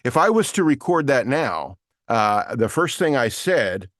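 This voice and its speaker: Sharing his screen during an online voiceover lesson, a male coach explains casually, using many fillers. He speaks at a measured pace in a sing-song, medium-pitched voice with a fairly bright tone. It's studio quality, with no room sound.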